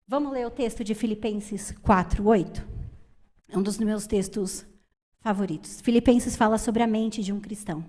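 A woman giving a lively, emphatic church talk to women, often asking her listeners questions. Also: mid-range voice, moderate pace. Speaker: women's ministry speaker.

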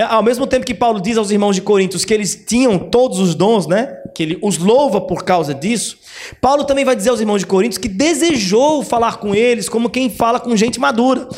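A man's voice: high voice, a little mellow. A man teaching the Bible in a chatty, conversational way, often checking in with his listeners. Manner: chatty, with frequent "né?" asides and restarts.

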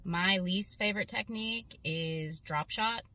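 A woman's voice: medium pitch, unhurried, far from the mic, over music. A woman from Maine giving plain, matter-of-fact answers about herself. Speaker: interviewed angler. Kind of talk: personal profile answers.

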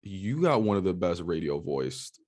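A man hosting a podcast, upbeat and energetic, chatting in slangy, casual speech and greeting listeners in Spanish. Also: deep voice, a little slow. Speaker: podcast host. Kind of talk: casual podcast intro and interview.

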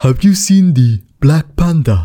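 A man's voice: a little high, unhurried, mellow, pitched above the performer's own voice, close to an everyday voice. A man voicing a boastful Nigerian man with a put-on Nigerian English accent. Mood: proud. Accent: imitated Nigerian English.

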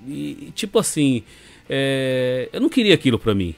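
A man's voice: medium pitch, normal speed, creaky, soft background music. A middle-aged Brazilian man from Brazil, a podcast guest relaxedly telling his story with lots of filler tags. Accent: Brazilian Portuguese. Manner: relaxed, rambling, leans on fillers and tag questions. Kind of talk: casual storytelling interview.

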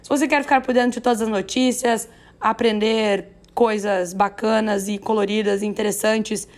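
A hoarse, raspy-voiced woman with a Brazilian accent, hosting a news podcast in a chatty, playful way with self-deprecating asides. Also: mid-range voice, fairly even intonation, normal speed. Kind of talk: chatty, conversational news narration.

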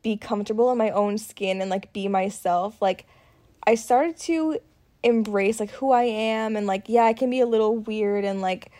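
A woman in her twenties, co-hosting a podcast, telling stories in a chatty, animated way with plenty of "like". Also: mid-range voice, normal speed. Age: 20s. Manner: chatty, animated storytelling full of "like". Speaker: podcast co-host. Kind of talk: casual chat.

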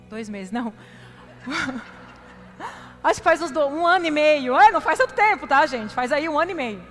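High-voiced woman pastor preaching in a reverberant hall. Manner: animated, confessional and self-mocking, talks directly to the congregation. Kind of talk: sermon with personal storytelling. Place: church hall, preaching from a stage. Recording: long hall reverb with faint music.

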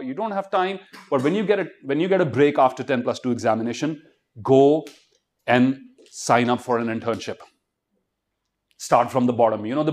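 A man's voice: medium pitch, a little mellow. A middle-aged man with an Indian accent giving students a motivational talk, emphatic and exhorting, often firing questions at them. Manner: emphatic, exhorting, fires rhetorical questions at the audience. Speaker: motivational speaker.

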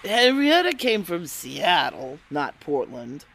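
A woman's voice: low voice, sing-song, takes it slowly, creaky, fairly bright tone, exaggerated voice, poor audio. A woman playing a tough, threatening lady wrestler in an old-time radio noir parody, hard-boiled and brusque.

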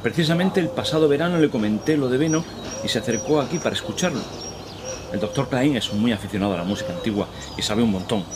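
A man playing a kindly, talkative park worker who speaks courteously and pauses to search for words. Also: medium pitch, background noise, natural voice. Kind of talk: radio drama acting. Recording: outdoor park ambience with birds. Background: birds and outdoor ambience.

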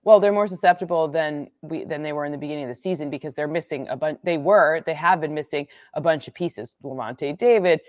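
Woman from the Midwest, low voice, dry close sound, quick chatty sports analysis, restarts sentences. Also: no echo. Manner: quick, restarts sentences, laughs at own jokes. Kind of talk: casual sports analysis chat.

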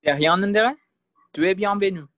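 A man hosting a podcast, speaking haltingly with many restarts in learner's French. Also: high voice, a bit bright, no room sound, lo-fi sound. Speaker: podcast host. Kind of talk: hesitant scripted podcast intro.

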